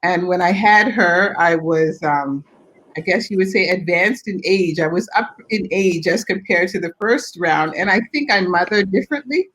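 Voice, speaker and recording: A woman's voice: on the low side, moderate pace, a bit bright, poor audio. A middle-aged mother speaking as a panel guest, telling stories in a thoughtful, reflective way. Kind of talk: church panel conversation.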